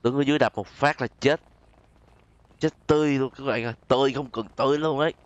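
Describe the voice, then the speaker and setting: A man's voice: mid-range voice, fairly even intonation, fast, no echo, lo-fi sound. A man with a southern Vietnamese accent hosts a gaming video, giving casual gameplay commentary to his viewers.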